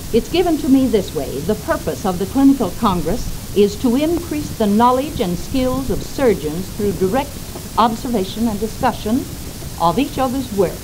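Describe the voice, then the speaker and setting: A woman with an American accent at a fairly high pitch, moderate pace and very wide pitch swings, over noticeable background noise. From United States. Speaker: radio host. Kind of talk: radio program introduction. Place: hall.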